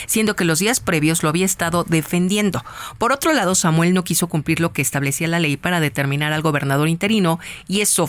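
A woman with a Mexican accent co-hosting a live radio news show, reading out listener messages with friendly asides. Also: low voice. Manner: chatty, reads messages aloud with warm asides.

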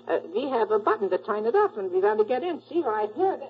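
An indignant, fussy shopkeeper in an old radio drama. The voice is fairly high and very animated, with emphatic broken English, on a muffled recording. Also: female voice, fast. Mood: anxious, emphatic. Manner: clipped, emphatic, immigrant-style broken grammar. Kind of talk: 1940s radio acting.

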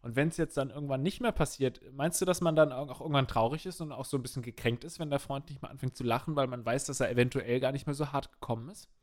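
A man's voice: mid-range voice, fast talker, hardly any pauses. A man co-hosting a podcast, talking in a casual, rambling and jokey way. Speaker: podcast co-host. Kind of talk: casual chat.

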